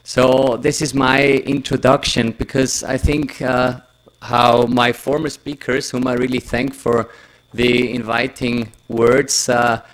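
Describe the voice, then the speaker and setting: A man with an Austrian German accent presents at a conference in English, stopping often on fillers. His delivery is hesitant, and his pitch stays flat and level. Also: slow pace, low-quality recording.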